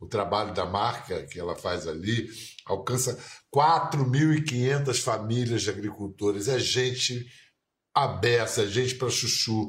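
A man speaks very slowly in a medium pitch, with ordinary pitch variation. His voice is somewhat breathy. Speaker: TV interviewer. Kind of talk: interview. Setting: video call.

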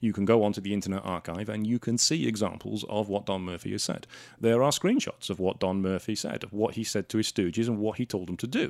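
A fairly low-pitched man with a Welsh accent, very fast pace, ordinary pitch variation and hardly any pauses. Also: very clean recording, silent background. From South Wales. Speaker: podcast host. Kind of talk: solo monologue storytelling. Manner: halting, frequent repetitions.

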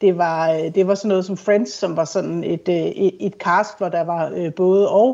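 At medium pitch, a woman speaks at a fairly slow pace with hardly any pauses. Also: fairly even intonation. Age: 40s. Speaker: cultural researcher, university lecturer. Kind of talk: interview. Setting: online connection. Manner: hesitant, many filler sounds.

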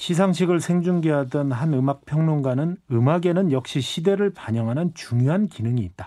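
His tone is dark and mellow. The man talks at a moderate pace with lively intonation. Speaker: commentator on weekly news keyword. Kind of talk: radio commentary segment. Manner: formal.

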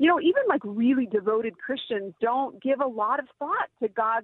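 In a plain, everyday voice, the speaker keeps a moderate pace and ordinary pitch variation. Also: woman. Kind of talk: radio interview.

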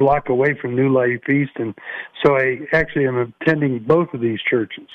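Speaking fairly quickly with an American accent, a man keeps a medium pitch and fairly even intonation. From US Midwest. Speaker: radio listener calling in. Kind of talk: casual chat. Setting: phone call. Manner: halting, many fillers and repeats.

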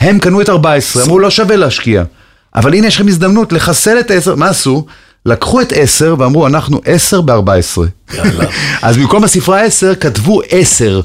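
A man's high-pitched voice at a moderate pace, with very wide pitch swings and very even loudness, on a very clean recording with a silent background. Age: 50s. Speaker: TV weather presenter. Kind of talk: interview.

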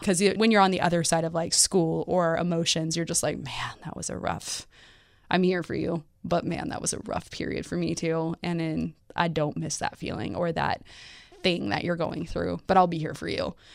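This woman talks at a moderate pace with a fairly low pitch, vocal fry and fairly even intonation. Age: 30s. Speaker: author and advocate for foster youth. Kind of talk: interview.

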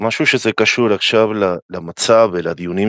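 A man speaks with a Spanish accent and ordinary pitch variation. The sound is dry and close, with no echo. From Argentina. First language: Spanish (speaking Hebrew). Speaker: academic expert on Latin America. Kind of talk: interview. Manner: hesitant with fillers.

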